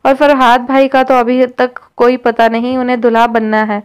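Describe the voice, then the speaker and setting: A woman's voice: a little high, flat delivery, clear, resonant tone, close to an everyday voice. A woman reading the lines of a cheeky, teasing young woman in an audio novel.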